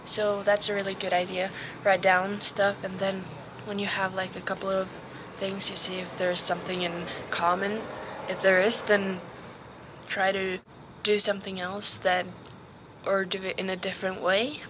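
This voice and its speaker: A teenage girl from Norway, giving casual advice in a vlog recorded outdoors. She talks softly and hesitantly, sometimes dropping to a whisper. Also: mid-range voice, level tone, normal speed, noisy background. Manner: soft, hesitant, drops to a whisper at times. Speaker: vlogger.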